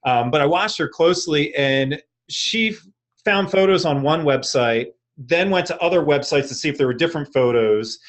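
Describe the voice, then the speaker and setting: A man's voice: on the high side, normal speed. A middle-aged man with a Philadelphia accent, talking casually and earnestly as a panelist, repeating points for emphasis. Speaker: real estate industry panelist. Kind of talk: casual panel talk, personal anecdotes.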